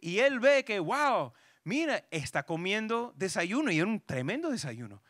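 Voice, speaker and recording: A high, bright male voice leading a parenting workshop for a church audience. He talks casually, restating every point twice and tossing questions to the room. The sound is dry and close, with no room echo. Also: very animated, moderate pace. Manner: restates each point twice, switching back and forth; casual fillers like "right?" and "you know".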